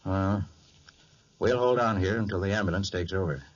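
An American actor playing a confident, decisive private detective who takes charge in a commanding, clipped way, in 1940s radio drama style. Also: male voice, deep voice, moderate pace. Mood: puzzled, firm. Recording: dull 1940s radio recording, faint noise.

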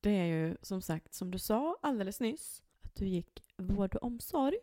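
Young woman cohost, drops dry jokes, mid-pitch voice, no room echo. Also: big pitch swings, warm tone. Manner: dry teasing quips. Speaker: podcast co-host. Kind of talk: casual chat.

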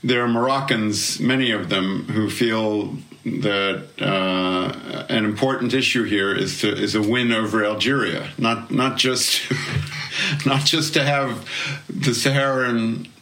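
Slow, bright-voiced male panelist. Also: on the low side, poor audio. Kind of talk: conversational panel discussion.

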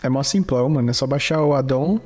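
A man's voice: medium pitch, quick pace, darkish tone, breathy edge. A man with a Brazilian Portuguese accent, co-hosting a tech podcast, teasing and jokey with casual slang. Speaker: podcast co-host.

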